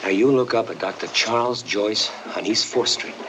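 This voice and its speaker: An actor playing a hard-bitten ex-con who narrates in a terse, world-weary film noir manner. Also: male voice, on the low side, moderate pace, close to an everyday voice. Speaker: narrator and lead. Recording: dull old film soundtrack with clear music.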